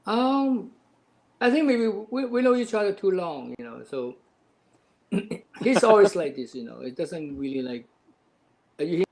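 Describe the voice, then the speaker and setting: A man on a panel speaking over an unstable video call, halting and repeating words in short phrases. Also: high voice, animated, vocal fry, a little mellow, poor audio. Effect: choppy audio over an unstable video call. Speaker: filmmaker panelist. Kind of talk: casual panel discussion.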